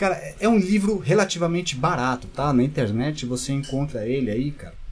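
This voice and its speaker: A man with an ordinary speaking voice, fairly high in pitch, talks at a moderate pace. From Brazil, Mauá (São Paulo area). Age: 30s. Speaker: hypnotherapist. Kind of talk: interview.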